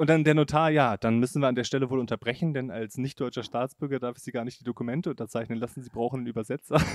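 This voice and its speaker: A man at a very fast pace, with hardly any pauses. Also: medium pitch for a man, ordinary pitch variation, dry, close sound with no echo. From Germany. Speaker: podcast co-host, entrepreneur. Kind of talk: casual chat.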